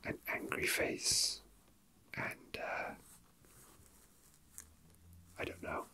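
Whispering man, slow ASMR delivery. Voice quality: soft, breathy whisper. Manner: slow, hesitant, unhurried. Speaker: ASMR video creator. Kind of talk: whispered ASMR, casual chat with read-out facts.

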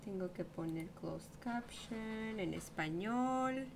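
A woman's voice: mid-range voice, expressive, takes it slowly, creaky, very noisy. Woman, young adult, interview host, chatty, laughing, headset mic, home room. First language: Spanish. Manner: chatty, laughs often, many fillers like "¿no?". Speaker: streamer hosting an interview. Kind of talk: casual interview on a livestream.

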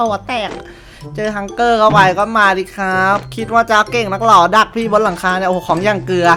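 A young man giving excited gameplay commentary, taunting opponents and repeating short calls over and over. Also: high-pitched, quick pace, faint music behind. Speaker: gamer streamer.

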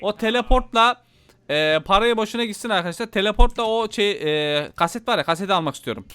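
Excitable high-voiced man playing a game. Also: quick pace, clear, resonant tone. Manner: excitable, panicky, talks to viewers as friends. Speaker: gaming YouTuber. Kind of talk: casual let's-play commentary.

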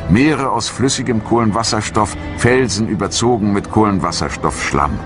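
A man giving calm, measured, scripted narration for a science documentary. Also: on the low side. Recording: studio narration over loud music.

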